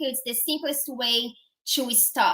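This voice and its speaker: A woman's high, raised, projected voice with a Portuguese accent, a bright, sharp tone, fairly even intonation, and a fairly slow pace. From Brazil. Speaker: affiliate marketer. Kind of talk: webinar training. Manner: halting, many fillers.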